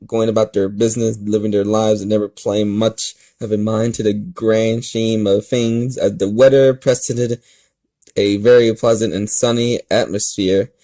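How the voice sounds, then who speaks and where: A man in a casual, halting vlog style, rambling and restarting as he hosts a fan fiction reading. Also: on the low side, dark tone.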